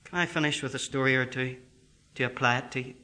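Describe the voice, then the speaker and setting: A man preaching a sermon, building to loud emphatic peaks and then dropping to a soft, quiet voice. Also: medium pitch, fairly even intonation, fast.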